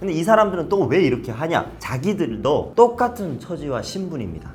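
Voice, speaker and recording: Over noticeable background noise, a man speaks at a fairly quick pace. His fairly high pitch makes very wide swings. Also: hardly any pauses. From North Korea. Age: young. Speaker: North Korean defector YouTuber. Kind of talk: casual talk to camera.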